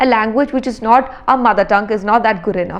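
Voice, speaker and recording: Noticeable background noise sits behind a woman with a Keralan accent. She talks at a fairly quick pace in a fairly high voice, with ordinary pitch variation. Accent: Indian English (Malayali). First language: Malayalam. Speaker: exam coaching YouTuber. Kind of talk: tutorial.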